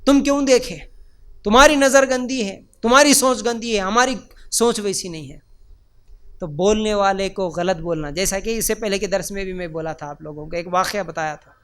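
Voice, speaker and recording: A man's voice: sits high, fairly bright tone, smooth. A man from India, giving a religious lecture with emphatic repetition and rhetorical questions. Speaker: preacher.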